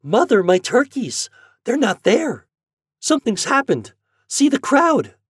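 A man voicing an eager, excitable farm boy with rustic, folksy speech in a storybook reading. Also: a little high, normal speed, no room sound, clean studio sound, voice pushed up. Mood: alarmed.

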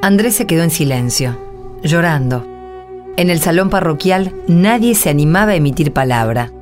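A woman's voice: low voice, animated, moderate pace, music in the background. A woman presenting and narrating a radio drama from a script.

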